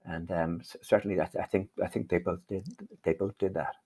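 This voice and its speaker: A man's voice: low-pitched, fairly even intonation, a little fast, mellow, slightly rough. A man with an Irish accent, a guest in a panel chat, telling stories in a teasing, playful way with mock outrage. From Ireland.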